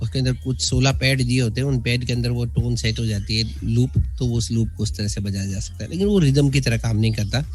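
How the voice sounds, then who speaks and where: A man's voice: mid-range voice, a little fast, hardly any pauses, a little mellow. A man giving a spoken online lesson on music keyboards, explaining step by step with fillers and restarts.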